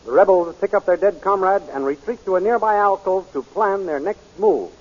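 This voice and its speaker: A man's voice: high voice, fairly quick, darkish tone. A man narrating a 1930s adventure radio serial, on a muffled old recording.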